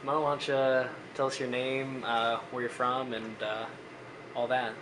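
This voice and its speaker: A man's voice: mid-range voice, level tone, a little slow, background noise. A young man interviewing a student, asking questions in a hesitant way with many fillers.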